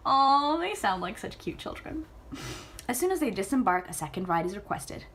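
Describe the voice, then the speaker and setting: A woman reading a novel aloud in an enthusiastic, chatty way, adding casual asides and reactions, with a husky voice. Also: fairly high pitch, big pitch swings, moderate pace, a bit bright. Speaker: amateur book reader.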